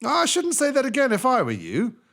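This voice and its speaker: A man's voice: very high voice, huge pitch swings, normal speed, gravelly, fairly bright tone, voice pushed up, heavily acted. A man voicing a stern, wily magical djinn of the desert in a storybook, emphatic and admonishing. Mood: stern warning.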